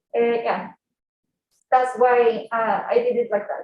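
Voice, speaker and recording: A woman with a Spanish accent and a fairly high pitch, at a very slow pace. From Chile, raised in Portugal from childhood. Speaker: comics artist. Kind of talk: panel discussion.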